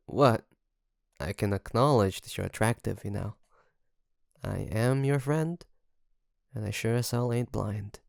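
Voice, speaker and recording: A man's voice: lowish voice, creaky, no room sound, studio quality. A man playing a nervous, caring young best friend in an intimate audio roleplay, speaking hesitantly and straight to the listener. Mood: caring, teasing. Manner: hesitant, halting, soft nervous chuckles. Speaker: voice actor.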